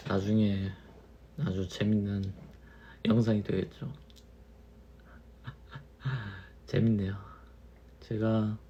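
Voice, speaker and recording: A man in his thirties, a little tipsy from wine, musing slowly in a casual monologue and repeating his phrases. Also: medium pitch, mellow, dull audio. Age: 30s. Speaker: channel host.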